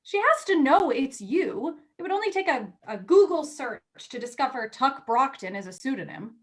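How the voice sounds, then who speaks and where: A woman playing an eager, teasing young magazine editor in a staged play reading, talking in animated, halting bursts as she persuades. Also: sits high. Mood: coaxing. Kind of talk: virtual staged play reading, naturalistic dialogue.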